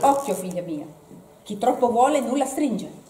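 A high-pitched woman's voice with lively intonation, audible room echo and light background noise. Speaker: stage actress. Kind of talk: theatrical monologue. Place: stage. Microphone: camera far.

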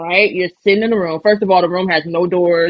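This woman has an animated tone and ordinary pitch variation. She talks at a moderate pace. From Nigeria, Benin City; moved to the US as a child; Nigeria. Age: 20s. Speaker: life coach, military veteran; podcast guest. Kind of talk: casual interview chat. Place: home room. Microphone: video call.

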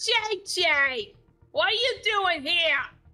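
An extremely high, put-on character voice plays out over faint background music. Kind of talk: in-character roleplay dialogue. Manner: gruff, surprised. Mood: playful, animated.

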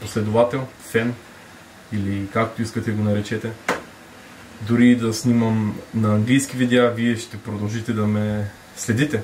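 A man at medium pitch, monotone and flat, at a fairly slow pace over light background noise. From Bulgaria, Ruse; Bulgaria. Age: 20s. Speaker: bodybuilder. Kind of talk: vlog monologue; casual vlog chat. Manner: halting.

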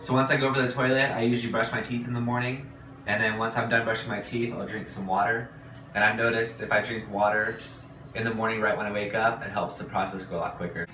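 Speaking very fast, a man keeps his intonation fairly even. Audible room echo and light background noise surround him. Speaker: vlogger showing daily routine. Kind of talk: casual vlog explanation. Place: bathroom. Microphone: phone near.

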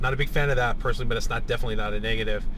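The recording of this man is dry with no echo, though background noise is noticeable. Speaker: product reviewer. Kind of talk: product review talk. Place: car. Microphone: camera far.

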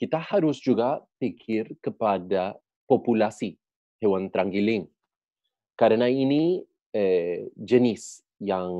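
With an English accent, a man speaks very slowly in a dark, mellow tone and lively intonation, the sound dry with no echo and the background quiet. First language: English (speaking Indonesian). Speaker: conservation scientist. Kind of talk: lecture. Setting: video call. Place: home room. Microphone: video call.

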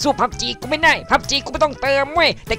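A female-sounding voice puts on a character voice at a high pitch. Clear music plays in the background. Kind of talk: crude comedic animal dub. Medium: dub. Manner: fast, ranting.

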